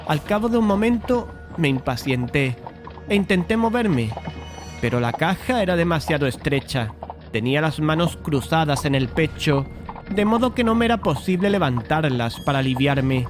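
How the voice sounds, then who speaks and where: An actor playing a brooding painter who narrates a macabre tale in a measured, deliberate way, as in a dramatized horror audiobook. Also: male voice, fairly high pitch, expressive, music in the background, natural voice. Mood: haunted, suspenseful.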